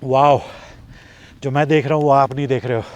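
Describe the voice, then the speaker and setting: A man's voice: mid-range voice, steady tone, brisk, clear, resonant tone, poor audio. A man with an Indian accent chatting casually as a travel vlogger outdoors, slipping English phrases into his talk. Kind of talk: casual vlog chat. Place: outdoors in a mountain valley. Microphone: camera's built-in mic after the mic battery died.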